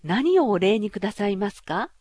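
A woman's voice: medium pitch, sing-song, moderate pace, no echo, clean studio sound. A woman doing a polite, coaxing fairy-tale frog. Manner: soft, smooth, courteous.

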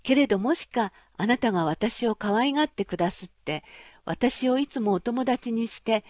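A woman's voice: a little high, animated, normal speed, no echo, clean studio sound. A woman doing a polite, coaxing fairy-tale frog. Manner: soft, smooth, courteous.

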